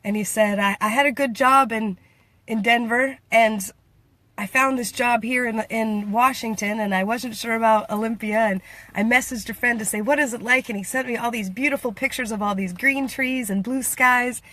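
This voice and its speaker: A woman's voice: on the high side, moderate pace, dry recording. Playful, chatty woman vlogger. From United States. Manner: chatty and playful, laughs often, quotes others in lively voices. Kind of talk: casual vlog chat. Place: Washington State.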